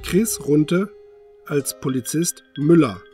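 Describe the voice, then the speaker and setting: A man's voice: on the high side, animated, takes it slowly, dark tone. A man reading scripted credits as an announcer. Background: music.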